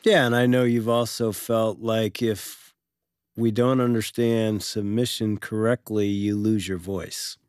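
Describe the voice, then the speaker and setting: A man's voice: on the low side, level tone, unhurried, darkish tone, smooth, no room sound, clean studio sound. A middle-aged man co-hosting a faith-based marriage show, reflecting and steering the conversation. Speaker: co-host of a marriage radio show.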